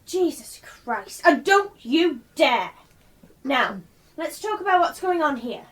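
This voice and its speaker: A woman's voice: high voice, big pitch swings, slow, a bit bright, exaggerated voice. A woman playing a confused, exasperated newcomer, impatient and emphatic in her questioning, in a radio play. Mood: scolding. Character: confused, exasperated newly arrived woman demanding answers. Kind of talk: theatrical radio play acting.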